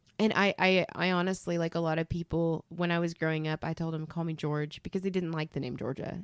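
With a plain, everyday voice, a woman speaks fairly quickly in a fairly low pitch, the sound dry and close with no echo. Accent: American. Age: 30s. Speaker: guest, mom. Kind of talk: casual chat.

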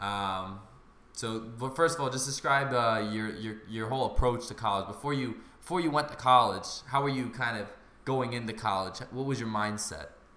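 Speech with ordinary pitch variation comes through audible room echo, with an American accent. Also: man, medium pitch for a man, moderate pace. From Maryland. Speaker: podcast host. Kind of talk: casual chat.

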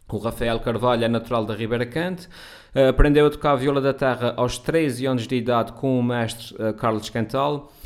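At a moderate pace and medium pitch, a man talks in an ordinary speaking voice with fairly even intonation. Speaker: podcast co-host. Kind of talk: casual chat; scripted intro.

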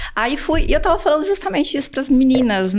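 A woman's fairly quick, lively-toned speech amid noticeable background noise. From Brazil, Cunha (São Paulo state). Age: 40s. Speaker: consortium sales professional. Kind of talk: casual interview.

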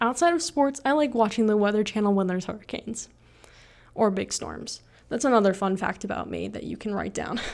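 A woman with an American accent talks at a fairly quick pace. Her pitch is fairly high and her intonation lively. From Naperville, Illinois, US Midwest. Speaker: radio host. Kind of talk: live radio DJ patter, casual and chatty, with station IDs and sports talk. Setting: radio studio, live broadcast. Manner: nervous, chatty and enthusiastic, rambling, self-deprecating, with fillers and laughs.

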